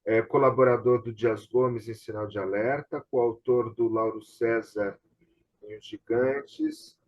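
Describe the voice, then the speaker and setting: A man's voice: medium pitch, fairly even intonation, measured pace. A Brazilian man hosting a conversation, reading out items and commenting casually, over dull online call audio. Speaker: host.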